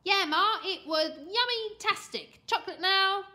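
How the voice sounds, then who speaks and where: A woman's voice: extremely high pitch, animated, a little slow, sharp tone, pitched above the performer's own voice, full character voice. A woman voicing a bratty, greedy young boy in a children's storybook, whiny, slangy and demanding.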